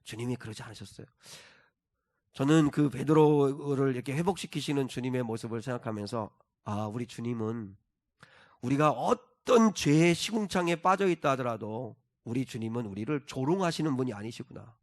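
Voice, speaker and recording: A pastor delivering a Sunday sermon, speaking earnestly and building to emphatic, repeated exhortations. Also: male voice, mid-range voice, normal speed.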